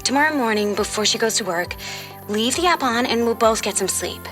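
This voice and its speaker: A woman's voice: on the high side, animated, a little fast, over music, close to an everyday voice. A woman playing a sassy, world-wise fifteen-year-old girl from the future in an audio drama, with casual, sarcastic phrasing. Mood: earnest. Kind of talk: audio fiction drama acting.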